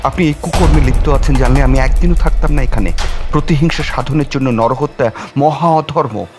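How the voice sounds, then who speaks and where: A man's voice: medium pitch, brisk, over music, voice pushed up, natural voice. Man playing an indignant righteous wanderer, raised voice. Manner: forceful moral protest.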